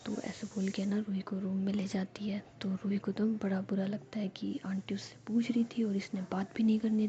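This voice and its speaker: A woman narrating a romantic story in a steady, casual whisper. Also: medium pitch, vocal fry. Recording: dull lo-fi recording.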